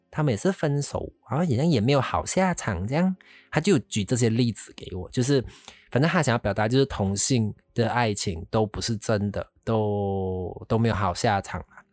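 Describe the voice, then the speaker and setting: A young man telling a personal story in an emotional, halting way, full of fillers and restarts. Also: medium pitch, darkish tone, no room sound. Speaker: vlogger telling his own story.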